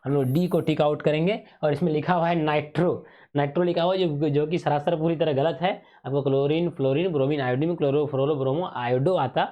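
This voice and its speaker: A man's voice: fairly high pitch, steady tone, brisk, dark tone, dull audio. A male teacher giving an exam revision lesson in speech, who keeps asking questions and answering them himself, repeating the key terms.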